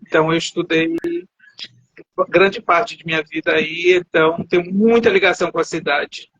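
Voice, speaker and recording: This author guest from Salvador, Bahia, Brazil has a voice on the high side, steady, a bit bright and slightly rough, speaking at normal speed in a live video interview. He rambles and corrects himself mid-sentence, and the dull, dry video call audio carries no room sound.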